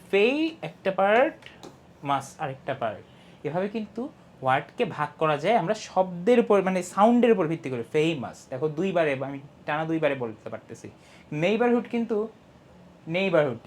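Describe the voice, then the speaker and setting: A man teaching a primary-school English lesson. He often checks in with "okay?" and reads English sentences slowly and with strong stress. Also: on the high side, a little hiss or hum. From Bangladesh. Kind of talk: classroom lesson explanation.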